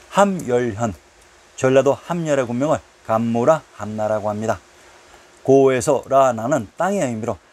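A man reading scripted history narration in a steady voice, listing place names one after another. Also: mid-range voice. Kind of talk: scripted narration read from a text.

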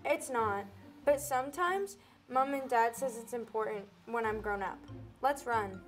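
A woman's voice: on the high side, unhurried, soft background music, natural voice. A woman playing an eager young schoolboy. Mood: friendly. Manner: eager, friendly.

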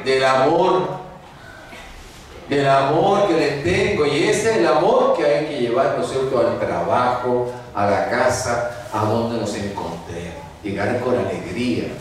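A man, a priest giving a homily at mass and telling stories with lively acted-out voices. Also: medium pitch, slow pace, a little hiss or hum. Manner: lively storytelling, acts out voices. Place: large church. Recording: echoey church from far off.

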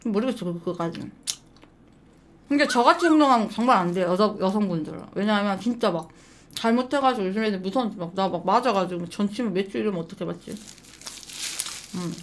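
A woman's voice: mid-range voice, fast talker, a little hiss or hum. A young adult woman hosting an eating show, chatting frankly and telling stories between bites. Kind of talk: casual eating-show chat. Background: faint background music.

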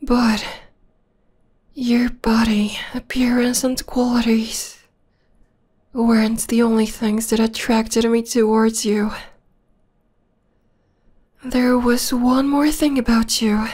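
A woman voicing a possessive, obsessed young vampire stalker in a breathy, whispery, intimate ASMR roleplay. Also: a little high, little pitch movement, a little mellow. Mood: obsessed, adoring. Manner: intimate, slow, lingering delivery. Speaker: voice actor.

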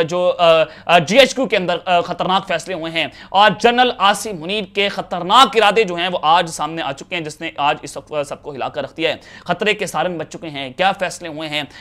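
A man's voice: on the high side, a bit bright. A young man from Pakistan giving urgent political news commentary to a lapel mic, with many filler sounds. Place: home office with bookshelves.

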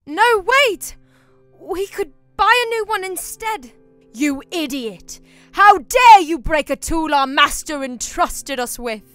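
A woman's voice: very high-pitched, animated, slow pace, a bit bright, no room sound, faint music behind, voice pushed up, heavily acted. A woman voicing a flustered, scolding young female cartoon character. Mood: panicked pleading. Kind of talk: animated character acting.

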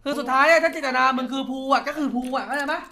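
A woman's voice: high-pitched, quick pace, fairly bright tone. A woman streamer in casual gaming chat with teammates, blunt, swearing freely and repeating words as she talks over a headset mic.

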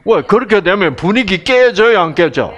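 A man's voice: high voice, lively intonation, normal speed, a bit bright. A man with a Gyeongsang Korean accent giving a humorous lecture to an audience as a health program lecturer, telling jokes like a storyteller and asking the audience questions.

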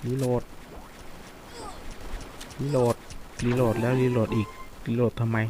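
Excitable man commenting on a mobile game. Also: medium pitch, measured pace, noisy background. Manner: chatty, excitable, reacts loudly to the action. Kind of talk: casual gameplay commentary. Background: game music.

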